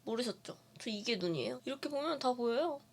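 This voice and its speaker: Bright, lively woman streamer. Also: fairly high pitch, brisk, a little hiss or hum. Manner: playful, chatty, answering viewer comments. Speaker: live streamer. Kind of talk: casual live-stream chat. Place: dim room. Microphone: webcam streaming setup.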